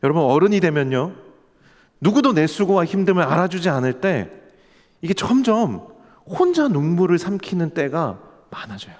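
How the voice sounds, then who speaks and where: A man's voice: on the high side, sing-song, moderate pace, darkish tone. A man preaching a sermon as a church pastor, talking earnestly and building to fervent emphasis. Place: church sanctuary. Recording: long church hall reverb.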